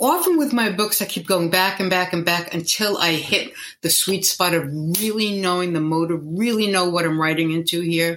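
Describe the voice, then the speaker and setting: A woman with an American accent speaks at a moderate pace and a fairly low pitch in an ordinary speaking voice. Her loudness stays very even, and her pitch varies an ordinary amount. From US Northeast, Brooklyn, New York. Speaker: novelist. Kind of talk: interview.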